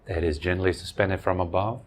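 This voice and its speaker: A man with a low voice guides a meditation in short, gentle phrases. He leaves long, unhurried pauses between instructions. There is clear ambient noise behind him. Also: fairly even intonation. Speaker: meditation teacher.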